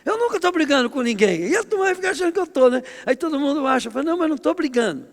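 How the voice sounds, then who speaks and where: A middle-aged man from Brazil preaching a sermon as pastor, with an emphatic, forceful way of speaking. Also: very high voice, sing-song, rapid-fire. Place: church hall. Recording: long hall reverb.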